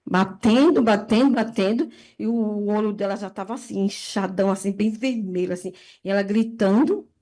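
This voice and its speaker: A woman's voice: moderate pace, dark tone. A woman telling a painful personal story in plain everyday speech, often checking in with short tag questions and her voice lifting when she quotes herself. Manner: emotional retelling, pitch rising in quoted speech. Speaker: woman giving a testimony.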